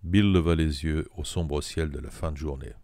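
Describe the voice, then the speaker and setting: A man narrating an audiobook in a measured, understated storytelling manner. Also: very deep voice, darkish tone, dry recording.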